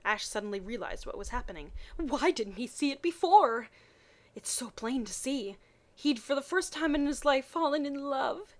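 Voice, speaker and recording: A woman's voice: high voice, lively intonation, normal speed. A woman giving a mocking dramatic reading of fan fiction, slipping in muttered, sardonic comments.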